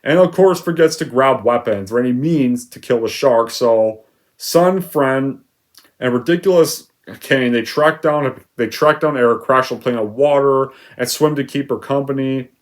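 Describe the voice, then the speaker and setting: A man's voice: medium pitch, a little slow. Young male reviewer, exasperated rant, sarcastic bursts, mid-range voice. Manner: sarcastic, exasperated, loud outbursts. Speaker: movie reviewer. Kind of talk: ranting movie review.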